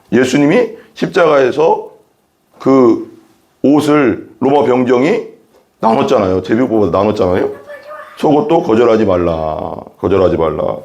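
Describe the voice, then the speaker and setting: A man's voice: mid-range voice, darkish tone. A man preaching a sermon as a pastor, reading Bible verses and explaining them earnestly, often repeating phrases and asking rhetorical questions.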